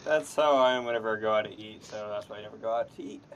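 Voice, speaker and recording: A man's voice: on the low side, quick pace, low-quality recording. A man on a podcast panel dropping dry, offhand quips in casual chat.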